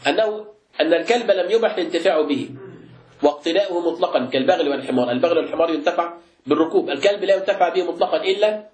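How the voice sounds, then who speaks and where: شيخ سريع الكلام بلهجة مصرية في قاعة درس. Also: male voice, fairly high pitch, rapid-fire, darkish tone, roomy sound. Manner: explains by asking the class and answering himself. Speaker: sheikh teaching a book class. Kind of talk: classroom lecture with questions.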